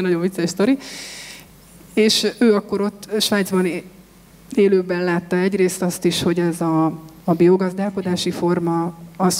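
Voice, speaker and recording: Thoughtful woman, mellow voice, hall echo. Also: on the low side. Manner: thoughtful, steady, many hesitations. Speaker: vegetable community farmer, panel guest. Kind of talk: panel discussion answers. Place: large expo stage with sofas. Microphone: handheld mic. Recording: long hall reverb.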